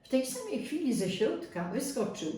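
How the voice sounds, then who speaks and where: A woman reading a fairy tale aloud as storyteller, expressive and unhurried, heard in a very echoey room from some distance. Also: high voice.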